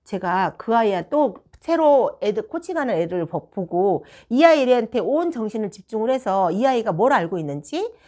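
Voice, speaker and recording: Woman, middle-aged, study room teacher, storytelling, lively pitch, acts out dialogue. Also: normal speed, few pauses. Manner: animated, acts out quoted dialogue. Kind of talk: storytelling monologue.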